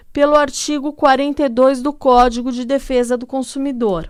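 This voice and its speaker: A woman speaks at a high pitch and a fairly slow pace, her intonation fairly even. The recording is very clean, with a silent background. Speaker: radio host, consumer law advisor. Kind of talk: radio talk explaining consumer rights. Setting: live radio broadcast from street studio.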